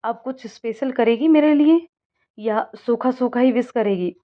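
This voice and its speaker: A woman's voice: on the high side, unhurried, close to an everyday voice. A woman voicing a sulky, dramatic young office friend in a huffy manner, on a dull lo-fi recording. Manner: huffy, sulking. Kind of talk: storybook voice acting.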